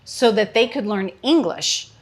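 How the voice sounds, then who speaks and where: A woman's voice: medium pitch, lively intonation, measured pace. Woman, Chicago accent, middle-aged, comedian host, playful joking chat. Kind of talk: casual chat.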